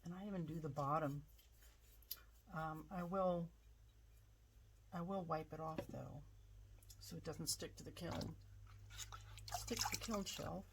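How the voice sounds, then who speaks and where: A woman pottery artist giving a casual demonstration, chatty and relaxed, thinking aloud with plenty of fillers as she works. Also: low-pitched, a little slow, long pauses, slight background noise, rough recording. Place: home pottery studio.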